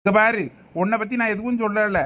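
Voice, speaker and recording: A man plays a wronged middle-aged brother in a cartoon family feud, speaking with a Thoothukudi Tamil accent. His voice sits very high, and he argues loudly and will not back down. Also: flat delivery, brisk, muffled recording, close to an everyday voice. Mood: angry. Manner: loud, insistent arguing. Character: aggrieved middle-aged brother, father of two daughters. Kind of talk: cartoon family drama voice acting.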